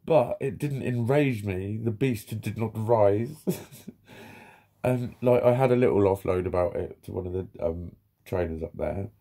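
A man's voice: on the low side, measured pace, warm tone. A man, telling a story in a casual vlog rant, swearing constantly, laughing and acting out what people said, filmed close up while lounging in a small room. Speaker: vlogger.

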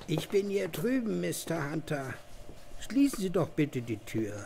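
A man playing a polite, secretive doctor with a measured, sinister manner in a horror audio drama. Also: a little high, big pitch swings, creaky, a little mellow, slight background noise, heavily acted. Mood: calm, polite. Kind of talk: German horror radio drama acting.

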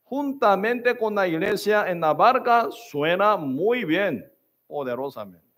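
A man preaching a sermon in short, emphatic phrases, often checking with the congregation with quick questions. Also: high-pitched, lively intonation, a bit bright. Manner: keeps asking the congregation "¿verdad?" and "¿sí o no?".

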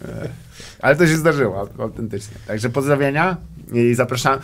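A man's voice: mid-range voice, fairly quick, fairly bright tone, a little hiss or hum. A young man hosting a casual comedy podcast, telling rambling stories with crude jokes and bits of English. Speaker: podcast host.

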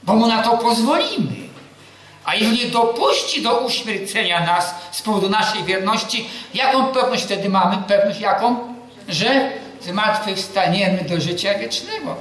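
In a very echoey church hall, a man with a high voice preaches at a moderate pace. He quizzes the congregation with questions he answers himself and tells personal stories full of lively quoted dialogue.

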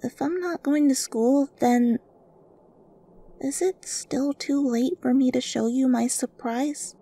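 A woman voicing a timid, hopeful little boy in a story, soft, hesitant and innocent. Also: sits high, slow, voice pushed up, exaggerated voice.

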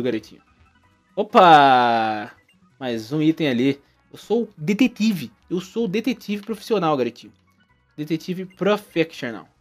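Young brazilian man, brazilian portuguese accent, jokey gameplay commentary, faint music underneath. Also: fairly high pitch. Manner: jokey, exclamatory, talks to the game characters. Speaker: gaming YouTuber. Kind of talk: playthrough commentary.

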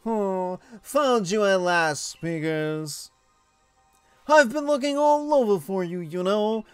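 A man voicing a friendly young male merchant with flattering salesman patter. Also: high voice, slow, smooth, no echo, soft background music. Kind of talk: dubbing game dialogue aloud.

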